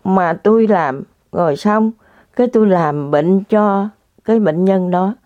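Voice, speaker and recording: A woman's voice: mid-range voice, measured pace, warm tone, no room sound. A woman telling a story to her viewers in a casual, dramatic, exclamatory way. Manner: dramatic, exclamatory, speaks straight to the audience. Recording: dull lo-fi dry recording.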